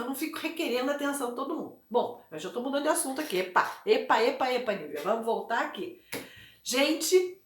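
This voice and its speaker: A woman, an educational psychologist, giving parents an informal, chatty talk and often checking in with the listener. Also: high-pitched. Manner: chatty, punctuates with "né?". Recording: echoey room.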